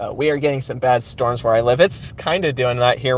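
A man talks at a fairly quick pace with fairly even intonation, the sound dry with no echo. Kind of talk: casual live stream commentary. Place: car. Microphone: phone near.

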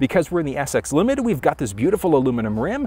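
A man rattles along at a very fast pace with very wide pitch swings. Light background noise sits under a dry sound with no echo. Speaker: car reviewer. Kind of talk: car review commentary. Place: open country.

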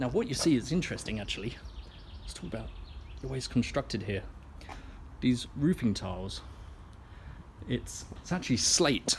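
Noticeable background noise sits behind the recording. A man speaks over it at a moderate pace. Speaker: vlogger. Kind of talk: casual vlog chat. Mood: relaxed, enthusiastic. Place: garden. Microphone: phone near.

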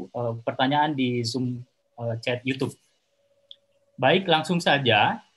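A man's medium-pitched, ordinary speaking voice with fairly even intonation. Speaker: webinar moderator. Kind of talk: moderated panel. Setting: video call. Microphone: video call.

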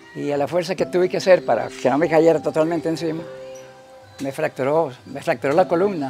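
Over clear music in the background, a man talks at a fairly quick pace, his fairly high pitch held in fairly even intonation. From Cartago, Costa Rica. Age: 80s+. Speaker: retired mechanic, nursing home resident. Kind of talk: interview answer. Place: garden. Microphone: lapel.

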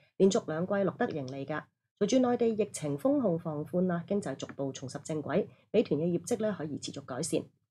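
A somewhat breathy woman's voice, fairly low and dark, mellow in tone, with lively intonation, a fairly quick pace and light background noise. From Hong Kong. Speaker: financial news show host. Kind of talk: live market news show. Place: studio.

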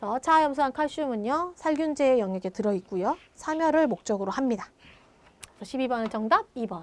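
Delivered at a moderate pace, this voice swings very widely in pitch. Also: woman, high pitch for a woman. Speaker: exam prep lecturer. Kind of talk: lecture. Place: studio. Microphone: lapel.

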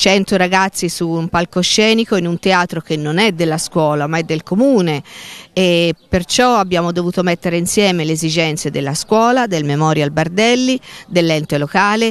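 A woman with a normal speaking voice, fairly low in pitch with ordinary pitch variation, speaks at a moderate pace in a dry sound with no echo. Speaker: school teacher. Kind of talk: interview. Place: garden. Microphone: handheld.

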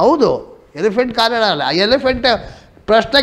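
A man's extremely high-pitched voice, animated in tone, with ordinary pitch variation. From Kanakapura area, Karnataka; Karnataka. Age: 60s. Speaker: retired professor. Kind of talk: political commentary interview. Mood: angry criticism. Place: office.

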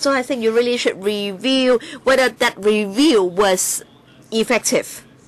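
A woman's fairly high voice, slow-paced, with ordinary pitch variation

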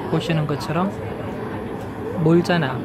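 Loud background noise surrounds a woman's voice. There is no echo, and the sound is dry. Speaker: solo traveler vlogger. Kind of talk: casual vlog chat. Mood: mildly disappointed, joking. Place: cafe. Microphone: phone near.

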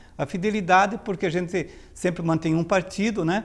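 Fairly even intonation in a man's high voice. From Jaraguá do Sul, Santa Catarina, southern Brazil; Santa Catarina, Brazil. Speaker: elected city councillor. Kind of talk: interview answers about career and plans. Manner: halting, with frequent filler 'é'. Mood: calm, earnest. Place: office. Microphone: lapel.

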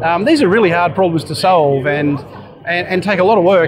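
A man with an Australian accent talks at a very fast pace, his pitch high with ordinary variation. Noticeable background noise runs underneath. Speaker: ag tech company founder and farmer. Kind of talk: presentation about company. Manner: hesitant with frequent fillers. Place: hall.

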